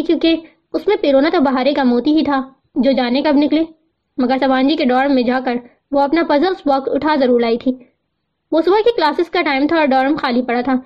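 High-voiced woman reading a novel. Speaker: audiobook narrator. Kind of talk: novel read aloud. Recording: muffled lo-fi recording.

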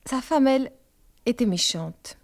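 Casting: female audiobook narrator, measured and expressive, literary first-person reading. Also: on the high side. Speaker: audiobook reader.

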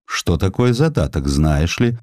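A man's voice: deep voice, big pitch swings, unhurried, dark tone, no room sound, clean studio sound. A man voicing a shrewd, blunt lawyer of Tsarist Russia in a declamatory, oratorical manner, as in an audio drama. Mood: brusque, haggling.

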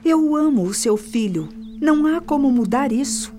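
A woman's voice: sits high, lively intonation, moderate pace, warm tone. An actress with a Brazilian accent playing a distressed young woman who pleads earnestly in a radio soap opera. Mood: pleading.

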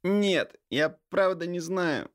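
A trembling, whiny voice of a cowardly younger brother in an audiobook, as a male narrator puts him on. It sits far above the reader's own low register and pleads without pause. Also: lightly acted. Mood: pleading, terrified. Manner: pleading and whimpering. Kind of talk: audiobook character voice.

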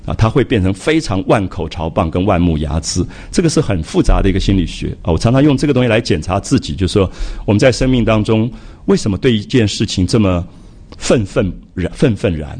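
Speaking quickly and expressively in a lowish, darkish voice, an older man lectures a live audience on a classic novel. His style is reflective and conversational, full of "ah" fillers and repeated phrases.

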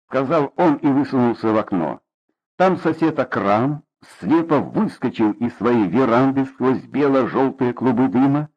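A man narrating a novel as an audiobook reader, reading expressively, on a dull lo-fi recording. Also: mid-range voice. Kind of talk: scripted narration.

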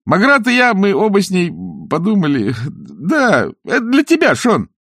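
A man voicing a shy, flustered young king who stammers and rushes his words. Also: high-pitched, wildly swooping pitch, a bit bright, no echo, clean studio sound, voice pushed up, full character voice.

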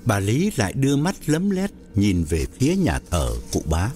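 A man narrating an audio story in a dramatic, expressive way. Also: on the low side, moderate pace, faint music behind.

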